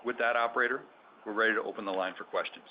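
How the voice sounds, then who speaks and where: A man speaking as a chief executive delivers formal, measured, scripted remarks on an earnings call. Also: on the low side, steady tone. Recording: dull conference audio with background noise.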